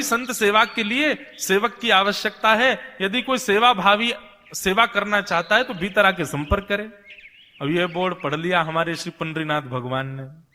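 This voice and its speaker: High, bright-voiced male Hindu storyteller, long reverb. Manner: conversational, repeats phrases, voices characters' dialogue. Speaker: Hindu devotional storyteller, preacher. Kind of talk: devotional katha storytelling sermon, acting out dialogue.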